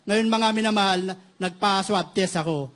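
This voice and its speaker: Man, very high pitch, church testimony, halting, frequent restarts, from the Philippines. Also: fairly bright tone. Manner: halting, repeats "mga minamahal" constantly, many restarts. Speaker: church member giving testimony.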